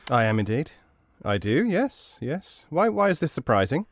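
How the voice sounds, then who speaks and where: A man's voice: mid-range voice, very animated, normal speed, no echo. A man chatting casually as a podcast guest, polite, hesitant and self-deprecating. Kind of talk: casual chat.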